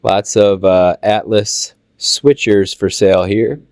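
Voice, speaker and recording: A man with a Midwestern American accent, casually narrating a walk through a model train show, halting with fillers while he gets over a cold. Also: lowish voice, smooth, dry recording. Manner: relaxed, halting with many "uh" fillers. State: recovering from a cold. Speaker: channel host touring a train show.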